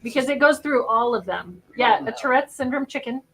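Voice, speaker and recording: A woman's voice: fairly high pitch, expressive, brisk, fairly bright tone, rough recording. A woman player in casual table chat, swearing freely and reciting crude song lyrics with a gleeful edge.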